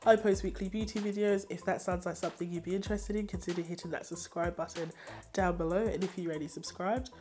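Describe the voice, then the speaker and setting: A woman's voice: lowish voice, fairly even intonation, fast talker, warm tone, soft background music. A young woman, a bit nasal from a cold, chatting enthusiastically as she reviews beauty products she has used up. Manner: chatty, enthusiastic, laughs often. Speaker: beauty vlogger. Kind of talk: casual product review chat.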